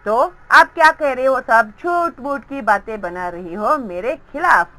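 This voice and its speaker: Lively, slow-speaking woman teacher. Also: on the high side, dry recording, low-quality recording. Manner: reads story lines aloud and acts out children's voices. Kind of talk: explaining a Hindi textbook lesson.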